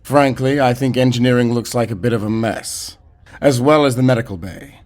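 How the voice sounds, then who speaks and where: A man's voice: medium pitch, moderate pace, a little mellow, natural voice. Man acting a academy professor, sci-fi audio drama, pompous, stiff, dismissive, defensive, mid-range male voice. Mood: smugly critical. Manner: pompous, stiff, hesitant when challenged.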